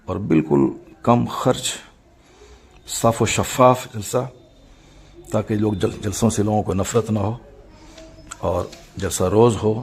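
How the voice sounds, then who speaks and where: Deep, very gravelly male cleric, noisy recording. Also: darkish tone. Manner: measured, halting phrasing with formal Urdu religious vocabulary. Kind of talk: solemn religious address, formal statement.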